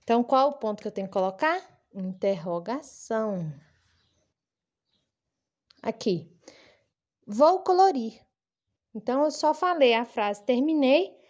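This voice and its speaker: A woman teaching a children's lesson, speaking slowly and clearly in a sing-song manner for young kids. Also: a little high, expressive, a little mellow, muffled recording. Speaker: primary school teacher. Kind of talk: recorded online lesson for children.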